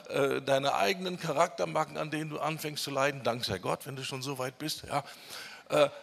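A man preaching a sermon with emphasis, drawing out key words slowly when he lists them. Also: fairly high pitch, vocal fry, pushed and bright. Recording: long reverb of a hall.

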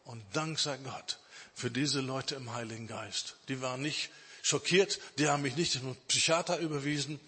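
A man preaching a sermon testimony, emphatic, stretching some phrases out slowly. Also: medium pitch, sharp tone, breathy edge. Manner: emphatic, with slow drawn-out phrases. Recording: long hall reverb.

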